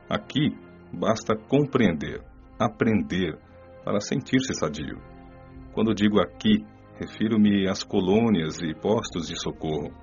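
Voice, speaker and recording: An actor playing Maurício, a calm male spirit guide explaining things in a measured tone in a radio drama. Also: sits low, dull audio.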